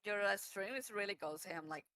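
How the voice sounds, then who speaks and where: Brief: giggly woman streamer, bright tone, filler-heavy chat. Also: medium pitch, a little fast, no room sound. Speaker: streamer guest. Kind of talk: casual chat.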